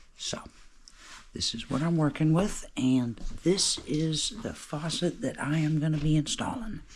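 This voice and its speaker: A woman talks quietly at a very deep, low pitch. Her pace is fairly slow. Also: lively intonation. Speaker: DIY home repair video host. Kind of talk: tutorial. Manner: quiet, hushed.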